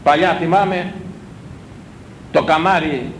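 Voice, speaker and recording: A man preaching a sermon, scolding his listeners with rhetorical questions and hammering his points home through repetition. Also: fairly even intonation. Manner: emphatic, repetitive exhortation. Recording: echoey room with low rumble.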